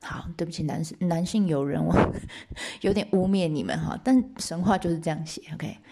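A woman teaching a myth as a lively, chatty storytelling lesson with asides to listeners. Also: fairly low pitch, moderate pace, creaky.

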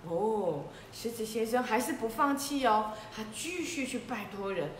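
A woman narrating a children's story in an animated, playful way, speaking to children. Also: fairly high pitch, unhurried, roomy sound, a little hiss or hum.

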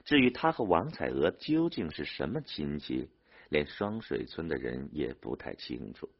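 A man narrating a novel as an expressive audiobook reader. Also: rumbling low, moderate pace, gravelly. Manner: expressive storyteller. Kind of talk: dramatic audiobook reading. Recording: dull lo-fi audio.

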